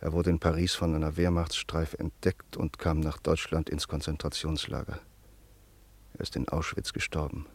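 An actor playing a sombre narrator in a radio drama, grave and deliberate as he recalls a friend's fate. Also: very deep voice, level tone, husky, full character voice.

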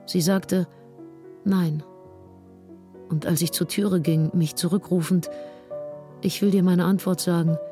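An actress playing a grieving 19th-century woman, reading a written recollection in a measured, formal, sober way. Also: fairly low pitch, fairly even intonation, mellow, soft background music, close to an everyday voice. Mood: sober grief. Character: grieving 19th-century woman recounting her companion's death in writing. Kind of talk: scripted literary reading.

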